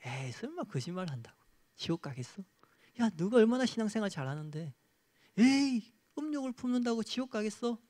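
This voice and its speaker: A man's voice: high voice, very animated, a little fast, a little mellow. A man voicing a coaxing, sly devil. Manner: coaxing, dismissive. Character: sly whispering male devil tempting believers.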